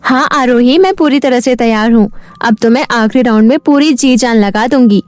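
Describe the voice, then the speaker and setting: A woman voicing a confident, demanding young beauty-queen character in a cartoon story, speaking briskly. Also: on the high side, a little mellow, dry recording, soft background music, lightly acted.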